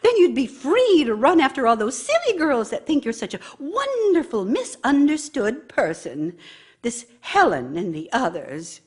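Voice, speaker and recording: A woman's voice: high voice, wildly swooping pitch, a little slow, breathy edge, exaggerated voice. An actress playing a bitter, nagging working wife who scolds her idle husband with scorn and sarcasm in a radio drama monologue. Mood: aggrieved, complaining.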